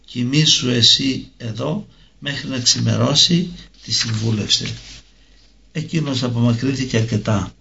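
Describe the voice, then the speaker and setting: A man narrating a religious story in a slow, measured reading. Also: mid-range voice, creaky, fairly bright tone, a little hiss or hum. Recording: dull lo-fi recording.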